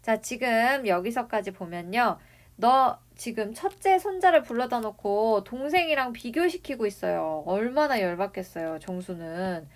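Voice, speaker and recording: A woman's voice: a little high, lively intonation, unhurried. A woman teaching a literature lesson, explaining a novel and asking rhetorical questions. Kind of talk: classroom lecture on a novel.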